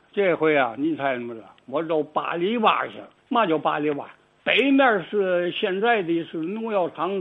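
An older man, telling stories about his own life in a folksy, animated way with many asides to the listener. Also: sits high. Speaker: storyteller. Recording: tinny phone-like radio recording.

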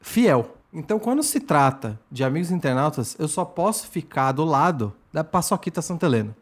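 A man's voice: fairly high pitch, big pitch swings, moderate pace. A man co-hosting a casual podcast chat, playful and teasing, laughing often. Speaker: podcast co-host.

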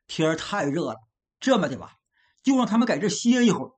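A worn-out old overseer puffs and grumbles his complaints, as a woman storyteller puts him on. His voice sits low and husky, and the pitch swings around as he talks. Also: big pitch swings, fast talker, a little mellow. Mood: weary. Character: old male overseer, tired and resentful.

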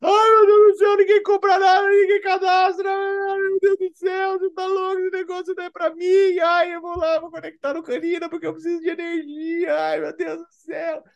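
A man's voice: very high-pitched, monotone, normal speed, vocal fry, highs cut off, pitched above the performer's own voice. Man mimicking a whiny despairing Brazilian woman. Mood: whining. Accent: Brazilian Portuguese. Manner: wailing, self-pitying complaints. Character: whiny discouraged woman seller, self-pitying.

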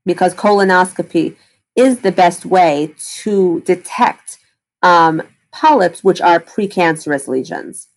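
A woman's voice: on the low side, measured pace, low-quality recording. A woman gastroenterologist answering interview questions, explaining in detail with frequent fillers and restarts.

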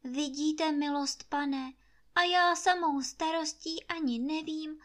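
A woman's voice: sits high, fairly even intonation, fairly bright tone, pitched above the performer's own voice. A woman voicing a meek but cunning young peasant housemaid who pleads humbly and sweetly in a storybook reading. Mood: wheedling. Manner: humble, wheedling, sugary pleading.

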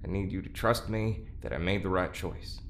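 An actor playing an anguished, stubborn young prisoner in an audio drama, earnest and halting, shielding friends. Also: low voice, a little hiss or hum. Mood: quiet, resolute.

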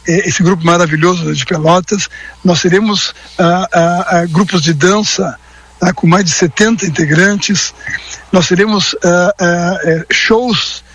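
A man's voice: sits high, fairly even intonation, a little slow, fairly bright tone, slightly rough. A man, calling in by phone to a live radio show as a guest, talking hesitantly with many fillers and restarts. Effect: heard over a phone line. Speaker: guest, event organizer calling in.

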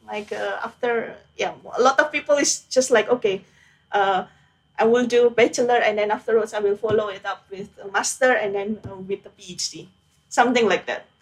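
A woman's voice: medium pitch, moderate pace, rough recording. Hesitant young woman from Indonesia. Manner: hesitant, many fillers and restarts. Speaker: interviewee, PhD graduate. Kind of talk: casual interview conversation.

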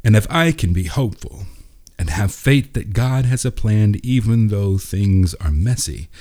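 A man voicing a grieving, hopeful widowed father in a storybook, heartfelt, measured and reflective. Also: fairly low pitch, expressive, mellow. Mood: earnest resolve. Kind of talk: storybook dialogue reading.

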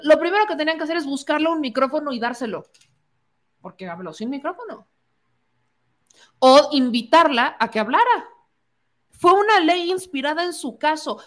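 A woman's voice: high voice, a bit bright. A woman with a Mexican accent giving opinionated political commentary, indignant and sarcastic, mocking the people she quotes.

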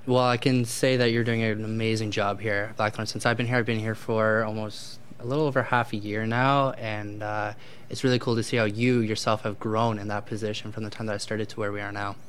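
A man's voice: on the low side, flat delivery, fairly bright tone, slight background noise. A man hosting a company interview show, enthusiastic and encouraging as he introduces and questions colleagues. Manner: enthusiastic, encouraging, quick asides. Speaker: show host.

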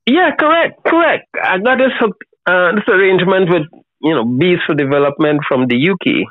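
An elderly man of seventy speaks with a Trinidadian accent in a noticeably high register. He chats reflectively and colloquially as an interview guest. The sound is thin and phone-like, with a dry, close feel and no room around it. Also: expressive, normal speed, no room sound. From Trinidad and Tobago. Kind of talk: casual conversational interview. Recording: thin, phone-like call audio.

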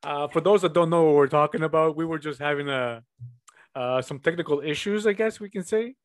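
A man's voice: on the high side, brisk. A man hosting a casual interview podcast on a video call, friendly and upbeat, with fillers and laughs. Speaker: podcast host.

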